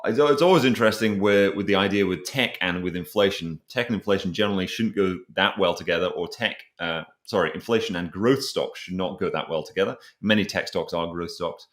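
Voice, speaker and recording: In a roomy, echoing recording, a man with a low voice hosts a casual interview. He feels his way through questions and comments, hesitating and meandering. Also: brisk, hardly any pauses, fairly bright tone. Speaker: interviewer, host. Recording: echoey, roomy sound.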